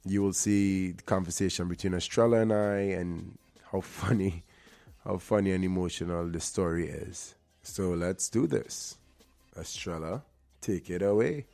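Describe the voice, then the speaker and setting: Deep-voiced earnest male podcast host. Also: unhurried, creaky, warm tone, faint music behind. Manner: earnest, motivational. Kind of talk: casual podcast talk.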